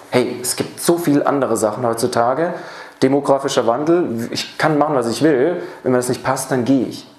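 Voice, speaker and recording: A man giving a seminar talk on apprenticeship training to a live audience, speaking to them directly and posing rhetorical questions. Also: medium pitch. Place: seminar or lecture room. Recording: roomy hall sound.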